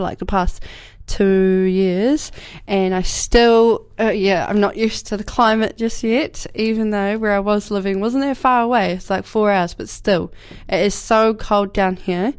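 A woman's voice: mid-range voice, clear, resonant tone. A young woman from New Zealand, speaking with a New Zealand accent, hosts her community radio show with a cold, in a rambling, casual way full of fillers and restarts. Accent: New Zealand English. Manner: rambling, many fillers and restarts, laughs often. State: has a cold. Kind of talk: casual solo radio talk. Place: radio studio.

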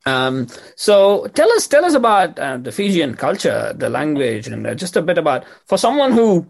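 A man's voice: a little high, very animated, moderate pace, creaky. A man hosting a community radio interview, friendly and rambling with many fillers. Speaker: radio host.

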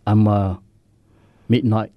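A Samoan man, whose first language is Samoan, speaking earnest, halting English as a guest in a radio interview. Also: lowish voice, level tone, dry recording, highs cut off. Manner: earnest, halting, simple non-native English. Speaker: guest sharing recovery story.

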